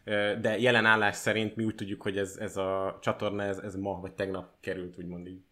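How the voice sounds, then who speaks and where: A man's voice: lowish voice, little pitch movement, pushed and bright. A man hosting a podcast in casual chat, explaining things and carefully correcting details. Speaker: podcast host.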